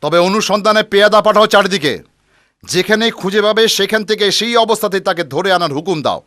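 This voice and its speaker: A man's voice: high-pitched, quick pace, fairly bright tone, dry recording. A man voicing a stern, suspicious landlord who questions and commands bossily in a comic cartoon. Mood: stern, commanding. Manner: interrogating, commanding. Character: stern, suspicious village landlord, demanding and bossy. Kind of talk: dubbed comic cartoon dialogue.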